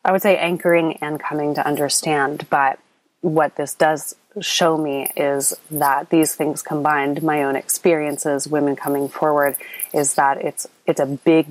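Low-voiced woman hosting a spiritual podcast. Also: dry recording, rough recording. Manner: earnest, meandering, many ums and restarts. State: slightly scratchy voice. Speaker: podcast host. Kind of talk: spiritual coaching podcast monologue. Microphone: app recording, close mic.

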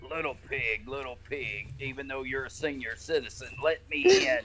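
A man voicing an old, wheezing male wolf who is pushy and grumbles quietly. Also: mid-range voice, normal speed, slight background noise, natural voice. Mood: grumbling.

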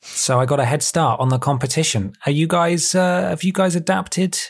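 A man hosting a casual comedy podcast from home, joking with friends, his voice a little hoarse from a cold. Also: on the high side, normal speed. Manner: animated, joking, sing-song intro reading. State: losing his voice, a bit hoarse. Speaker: podcast host.

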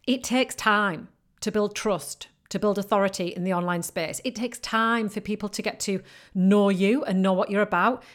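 A woman with a northern English accent, giving an emphatic, motivational business-coaching talk. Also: on the high side. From northern England. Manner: emphatic, repetitive encouraging delivery. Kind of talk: motivational podcast monologue.

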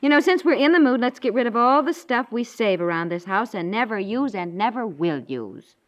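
An actress playing a practical, fondly nagging housewife in a chatty 1950s radio domestic comedy. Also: female voice, a little high, animated, a little fast, natural voice. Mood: brisk, teasing. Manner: chiding, conversational, chuckling exasperation. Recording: dull lo-fi 1950s radio recording.

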